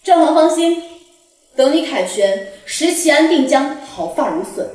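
Regal empress, very echoey. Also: female voice, sits high, lively intonation, unhurried, a little mellow. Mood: stately, commanding. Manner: formal, stately proclamation. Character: regal, authoritative reigning empress. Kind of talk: screen drama acting. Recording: very echoey room, distant, faint noise.

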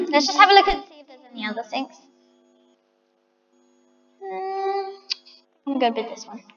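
A woman's voice: very high-pitched, expressive, a little slow, a bit bright, long reverb tail, highs cut off, soft background music. A woman chatting to her viewers as she decorates a house in a game, thinking aloud. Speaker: vlogger. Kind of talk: casual game commentary.

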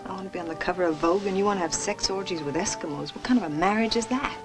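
An actress playing a frustrated young wife in a naturalistic 1970s film comedy-drama. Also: female voice, medium pitch, rapid-fire, over music, natural voice. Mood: exasperated. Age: young adult.

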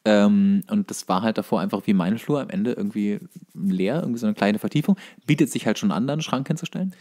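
A man's voice: fairly low pitch, fast, darkish tone. A young man co-hosting a podcast in casual banter, slipping in dry, joking asides. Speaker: podcast co-host.

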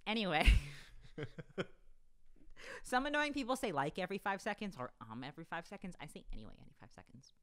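Animated woman chatting on a podcast. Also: fairly low pitch, fast, pauses often. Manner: animated, rambling, filler-heavy. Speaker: podcast co-host. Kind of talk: casual chat. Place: home studio room with bookshelves. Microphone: desk broadcast mic on boom arm.

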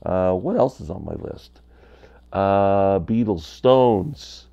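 A man's voice: low-pitched, lively intonation, slow, vocal fry, mellow, muffled recording. A man in his fifties with a stuffy cold, chatting casually to camera from his basement about records. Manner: chatty, candid, gestures a lot with hands. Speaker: vinyl collector vlogger. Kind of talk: casual rambling vlog. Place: basement room, indoors, small.

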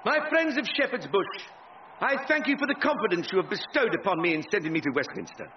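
A self-important radio sitcom politician with a high, swooping voice. He is grand and boastful, yet chummy and colloquial. The recording is dull with faint noise. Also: animated, quick pace. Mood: grandly gracious. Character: pompous, self-important, chummy new independent MP. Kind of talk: 1950s-style radio sitcom acting.

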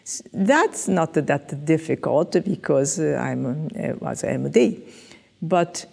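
An older woman with a Japanese accent, answering interview questions in slow, hesitant English full of fillers. Her voice is mellow and gravelly, caught on a headset mic. The studio adds a long reverb tail. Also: deep voice, animated. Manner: hesitant, many fillers and restarts, light laughter. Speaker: interviewee, physiologist. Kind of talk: oral history interview. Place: dark studio set, indoors.

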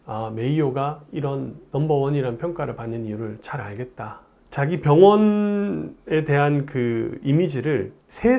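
A man in his forties, a urologist, talking to camera in a chatty storytelling way in a plain studio on a lapel mic. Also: fairly high pitch. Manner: animated, gesturing hands, chatty storytelling. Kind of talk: explanatory talk to camera.

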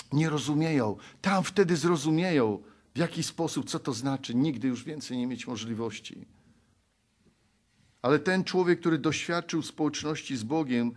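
A male preacher from Poland delivering an earnest sermon. He pleads and exhorts, rising into loud appeals and then dropping to hushed, low passages. He also reads scripture aloud in a measured way.

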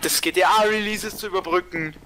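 A man's voice: high-pitched, steady tone, brisk, pushed and bright, slight background noise, rough recording. A man hosting a casual game video, joking and rambling with fillers. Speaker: let's play host. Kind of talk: casual gameplay commentary.

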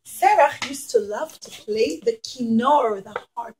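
A woman's voice: a little high, unhurried, a little hiss or hum. A woman in her thirties telling a story to young children in simple, repeated phrases with questions to listeners. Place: small classroom, indoors. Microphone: camera a short distance away.

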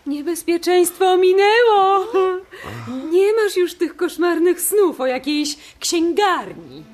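An actress playing a tender sweetheart in a radio drama, speaking in a gentle, coaxing way. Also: female voice, very high-pitched, lively intonation, slow, faint music behind, full character voice. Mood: soothing. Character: tender, soothing wife or sweetheart.

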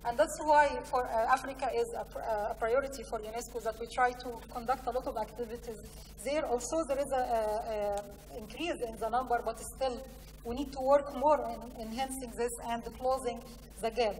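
An Egyptian-accented woman gives a slide presentation at a conference. Her voice sits a little high, and she proceeds haltingly, pausing and repeating words. The sound is reverberant, as from a big hall, with faint noise behind her. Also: fairly even intonation, darkish tone. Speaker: conference speaker, science programme representative. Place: large conference hall, indoors. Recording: echoey hall, distant mic, faint noise.

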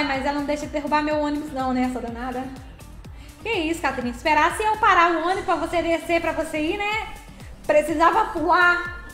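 A woman's voice: very high-pitched, fairly bright tone, reverberant. A woman hosting a casual live stream while playing a game, chatty and thanking viewers by name.

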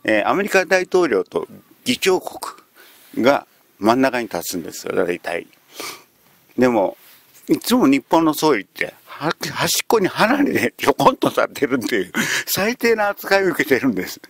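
Brief: male history lecturer, very lively pitch, close dry sound, storytelling delivery. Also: moderate pace, vocal fry, dry recording. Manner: animated, acts out quotes.

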